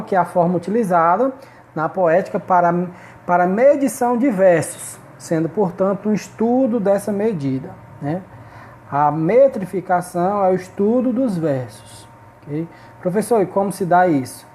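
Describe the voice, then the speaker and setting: A woman's voice: lowish voice, lively intonation, moderate pace, dark tone, slight background noise. A woman teacher explaining a lesson step by step, often checking in with her students. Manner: explanatory, frequent checking tags like "né?" and "ok?". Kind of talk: recorded online class lesson.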